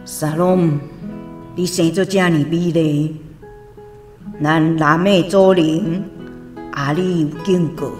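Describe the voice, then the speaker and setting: Solemn female tribal elder, Taiwanese accent, low, very slow, radio drama, music behind. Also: fairly even intonation, darkish tone. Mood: solemn warning.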